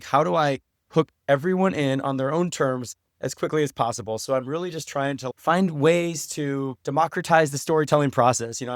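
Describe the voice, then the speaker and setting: A man's voice: fairly high pitch, dry recording, studio quality. A man speaking as a podcast guest, giving articulate, informal answers in a conversational way. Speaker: podcast guest, writer and English professor.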